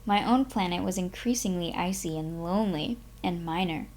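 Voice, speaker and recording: A woman hosting a live stream, speaking in an expressive, unhurried way with dramatic, drawn-out phrasing. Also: fairly low pitch. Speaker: host of a live reading stream. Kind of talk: expressive audiobook-style reading and casual stream chat.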